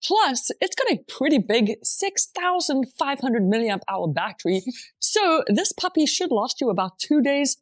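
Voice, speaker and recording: A woman's voice: high-pitched, very animated, a little slow, no room sound, studio quality. A woman narrating an informal, chatty tech review.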